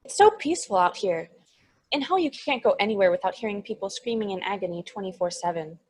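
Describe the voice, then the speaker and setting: A woman's voice: medium pitch, fast talker, slightly rough. A woman playing a childlike, naive young demon in a comedy table read, eager and earnest. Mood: earnest, glum. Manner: excitable, earnest.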